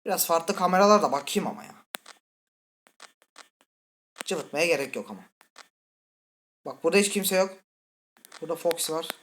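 A man's voice: on the high side, normal speed, pauses often, fairly bright tone, a little hiss or hum. A man hosting a gaming channel, giving let's-play commentary while he plays a horror game, jittery and scared, muttering curses and talking straight to his viewers. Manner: talks directly to viewers.

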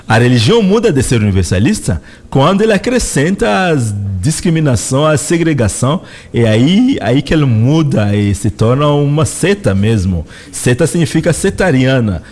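A middle-aged man from Congo with a Congolese accent, giving measured, reflective answers as a guest in a radio studio. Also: medium pitch, darkish tone. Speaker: representative of a spiritual organization, guest. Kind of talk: interview answers. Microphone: studio microphone close in front.

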